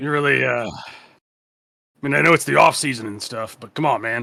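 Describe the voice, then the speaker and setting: A raspy, put-on character voice from a man at a fairly quick pace. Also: medium pitch for a man. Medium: actual play. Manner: eager, polite.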